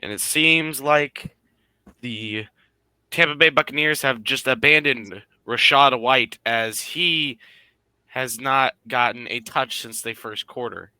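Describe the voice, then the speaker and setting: A young man co-hosts a sports show, griping bluntly and jokingly as a fan. His voice is very bright and tense with a crisp, clear tone. The sound is dry and close. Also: mid-range voice, slow pace, dry recording, poor audio. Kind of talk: casual sports chat.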